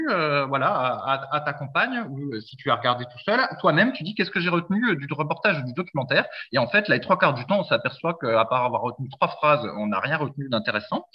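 A man chatting casually as a podcast co-host, rambling with frequent hesitations and restarts. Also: on the high side. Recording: dull lo-fi sound.

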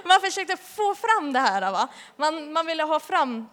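Chatty young woman in reverberant church. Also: sits high. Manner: lively, chatty, laughs often. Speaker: youth leader giving a testimony. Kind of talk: church testimony. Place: church hall.

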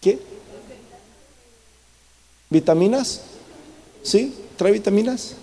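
A man's voice: high-pitched, expressive, very slow, warm tone, slightly rough, big-room sound. A man preaching a church sermon, often checking in with the congregation and slipping the word "brother" into his Spanish. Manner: questions the congregation often, tagging lines with "¿verdad?". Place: church hall.

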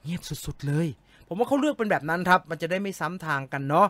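A man's voice: high-pitched, animated, fast talker, pushed and bright, dry recording. A man hosting a casual live stream, reading out viewer comments and answering them in a chatty, joking way.

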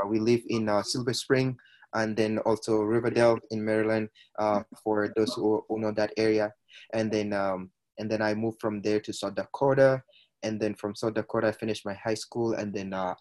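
A man's voice: fairly low pitch, a little mellow. A man, a podcast guest recounting his life in a hesitant way, with frequent filler sounds and restarts. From Ethiopia. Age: 20s. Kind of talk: personal storytelling in conversation.

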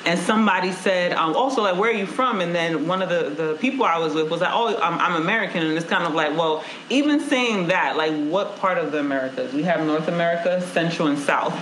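A woman's voice: fairly low pitch, brisk, hardly any pauses, a bit bright. A woman from Honduras co-hosting a casual chat, frank and laughing as she tells stories and reads comments. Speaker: co-host reading viewer comments. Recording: roomy echo, faint noise.

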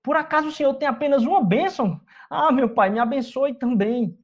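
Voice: high voice, lively intonation, a little fast, voice pushed up. Um pregador brasileiro, com sotaque brasileiro, dá voz a um filho mais velho angustiado que suplica ao pai. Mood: pleading. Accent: Brazilian Portuguese. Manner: pleading, crying out. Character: anguished elder son, pleading. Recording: dull lo-fi recording.

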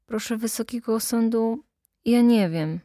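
A woman's voice: a little high, a little slow, dark tone, no echo, studio quality, pitched above the performer's own voice, natural voice. Woman voicing a timid male defendant. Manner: timid, formal replies. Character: meek male defendant under questioning.

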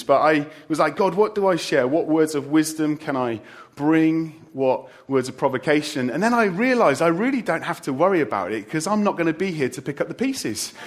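Joking man preaching. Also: fairly high pitch. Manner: joking, warm asides to the congregation. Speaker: church leader. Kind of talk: farewell sermon. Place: church service.

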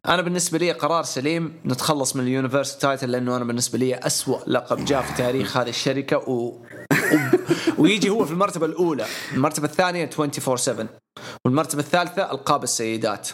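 Male podcast co-host, quick and sure of his views. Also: medium pitch, a bit bright, slight background noise. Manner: talkative, opinionated, runs through lists. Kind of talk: casual podcast chat.

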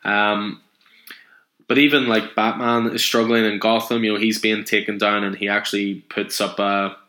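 A man's voice: on the low side, little pitch movement, moderate pace, pushed and bright. A man casually and enthusiastically retelling a comic book story, rambling with fillers. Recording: echoey room.

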